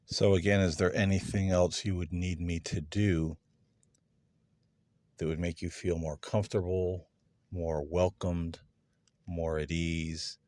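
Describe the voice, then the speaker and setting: A man hosting a paranormal session, asking earnest, polite questions in halting, tentative phrases with pauses. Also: low voice, little pitch movement, darkish tone, no echo. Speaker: paranormal investigator hosting his own video series. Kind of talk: earnest spoken questions to unseen beings.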